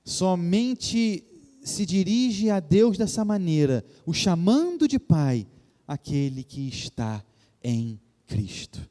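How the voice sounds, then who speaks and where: A man's voice: high-pitched, very animated, slow pace, warm tone. A man from Rio de Janeiro preaching a sermon as pastor, earnest and reverent, often calling the congregation "dear ones". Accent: Brazilian Portuguese, Rio de Janeiro. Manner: addresses the congregation as "queridos" often. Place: church sanctuary. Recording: long church reverb.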